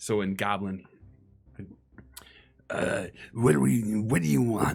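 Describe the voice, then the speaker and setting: A man puts on a character voice. It sits at a fairly low pitch. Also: fairly slow pace. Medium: actual play.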